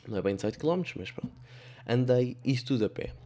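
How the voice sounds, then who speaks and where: A man's voice: medium pitch, expressive, quick pace, warm tone. Sarcastic young man with a European Portuguese accent. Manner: sarcastic, rambling, playful. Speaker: podcast host. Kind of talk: comic storytelling monologue.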